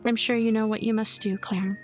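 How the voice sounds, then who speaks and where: Casting: woman playing manipulative loner girl, game narrator, detached and coaxing, higher-pitched. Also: level tone, fast, over music, natural voice. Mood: coaxing, sly. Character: lonely, cynical, manipulative girl ghost narrating her schemes. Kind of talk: narration of a visual novel.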